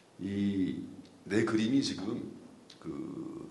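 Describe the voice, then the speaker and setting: A man speaks against noticeable background noise. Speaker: poet and author. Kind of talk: book talk in front of audience. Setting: stage with audience.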